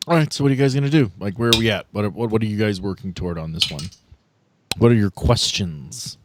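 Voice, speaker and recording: A man's voice: fairly low pitch, fairly quick, slight background noise. A man narrating a tabletop roleplaying game as game master, in an informal way with some swearing.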